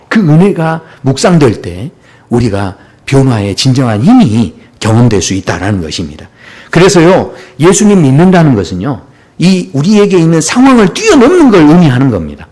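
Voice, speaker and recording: A man's voice: medium pitch, a little mellow. A male pastor preaching a Sunday sermon in a conversational, humorous way, often dropping in short asides to the congregation.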